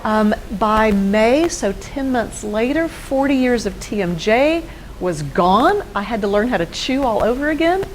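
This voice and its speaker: A woman's voice: high voice, slight background noise, low-quality recording. A woman in her fifties from Texas, a guest telling her own story earnestly in a studio interview. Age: 50s. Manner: earnest storytelling, acts out quoted dialogue. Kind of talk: personal testimony in a studio interview.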